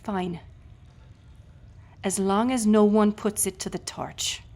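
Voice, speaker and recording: Woman acting as a female sea captain, defiant, sardonic, biting, unhurried pace, roleplay audio drama. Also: medium pitch, steady tone, dark tone. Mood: sardonic, indignant. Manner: sarcastic, wordy, biting. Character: defiant, sardonic, foul-mouthed female ship captain held prisoner.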